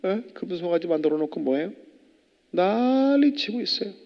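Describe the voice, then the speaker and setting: A man preaching a sermon as pastor, animated and firing rhetorical questions at the congregation. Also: high voice, moderate pace, vocal fry. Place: church sanctuary. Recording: long church reverb, dull lo-fi.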